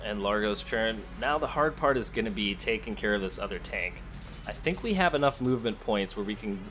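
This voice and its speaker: Low voiced guy doing a casual lets play, thinking out loud, game music faintly behind him. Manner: thinking aloud, talking to game characters. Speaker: let's play host. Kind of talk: casual gameplay commentary, sometimes reading game text aloud.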